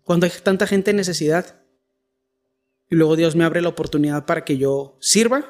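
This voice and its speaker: A man's voice: fairly high pitch, a little fast, a little mellow. A Mexican man with a Mexican Spanish accent, chatting casually about faith and slipping in joking, self-deprecating asides.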